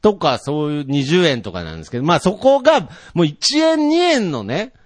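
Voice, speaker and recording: A man from Nagoya co-hosting a casual radio talk show, polite and chatty, laughing often and trailing off softly. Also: a little high, sing-song, brisk, no echo. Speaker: radio personality.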